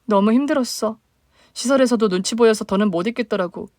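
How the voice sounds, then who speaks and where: A woman's voice: on the high side, fast, darkish tone, no room sound, studio quality, natural voice. A woman voicing a hurt young single mother, the younger sister, speaking plaintively in a dramatized story. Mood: weary. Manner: plaintive, emotional questioning.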